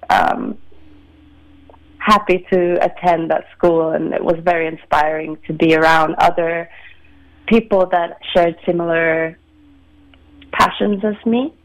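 A woman in her late twenties, from Sweden, a ballet dancer answering interview questions in a measured, soft-spoken way with many pauses. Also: fairly low pitch, steady tone, gravelly, rough recording. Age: 20s. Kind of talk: phone-in radio interview.

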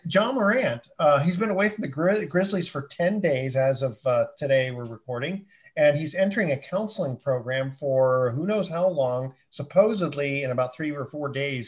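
This is a man from Northern California hosting a casual sports talk show. His voice sits a touch high and swings widely in pitch as he talks. He is lively and animated, and he laughs easily with his co-hosts. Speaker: host.

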